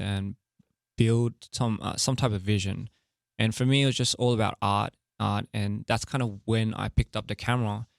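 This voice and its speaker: A young man chatting candidly as an interview guest, loose and relaxed, full of fillers and laughing easily. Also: lowish voice, gravelly, no echo, studio quality. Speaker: interview guest, music artist and director. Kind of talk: casual interview chat.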